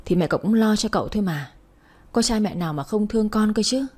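A woman voicing a young woman who gently tries to persuade her friend, in a storybook reading. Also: medium pitch, fast, lightly acted. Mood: persuading.

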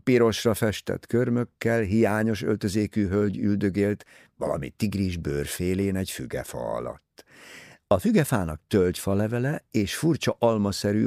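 Male audiobook narrator: low, gravelly, very animated dramatic reading, close dry studio sound. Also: no echo. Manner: expressive, dramatic. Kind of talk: scripted narration.

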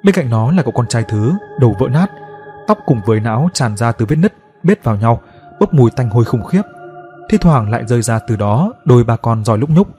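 A man tells a scripted horror story in a steady, dramatic way. His voice sits in a middle pitch. Soft music plays faintly behind him. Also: brisk.

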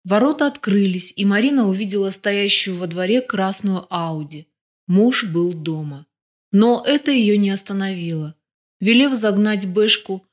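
Woman audiobook narrator, steady expressive read of a crime novel. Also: medium pitch.

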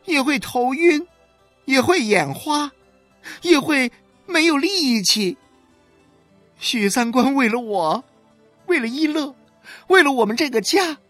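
Lady doing a screechy angry wife, shouting, high and wild. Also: no echo, heavily acted. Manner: shrill, scolding, drawn-out emphasis. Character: furious boastful wife in a street quarrel.

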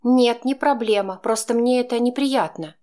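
A woman reader voicing a young woman who bristles and argues heatedly with her partner, in a much higher voice than her own. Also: warm tone, lightly acted. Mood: indignant. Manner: indignant, quick to flare up.

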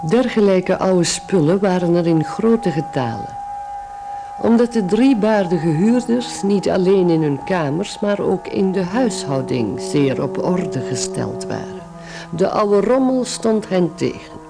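A man giving measured, literary narration for a radio drama. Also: sits high, lively intonation, creaky, over music, full character voice.

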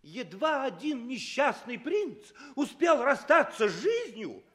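A doddering old emperor in a comic radio play. He laments in an extremely high, swooping voice, drawing words out very slowly, on a 1960s Soviet recording. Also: very animated, fairly bright tone, soft background music, heavily acted. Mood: tragicomic lament. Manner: plaintive, drawn-out declaiming. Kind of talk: theatrical comic declamation.

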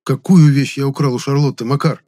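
An indignant, sarcastic young man, played by the narrator himself defending his name. He speaks raised and forceful, slightly higher than his telling voice. The protest is sharp rather than tearful. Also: steady tone, brisk, close to an everyday voice.

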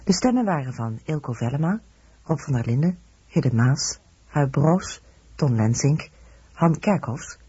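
A man's voice: fairly high pitch, expressive, measured pace, mellow, breathy edge, dry recording. A man reading scripted radio credits as the announcer. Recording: dull lo-fi radio recording.

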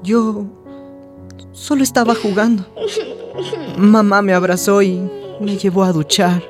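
A woman's voice: lowish voice, close to an everyday voice. An actress playing a trans woman who narrates her painful childhood in a radio drama, intimate and wistful. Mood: sad, reflective.

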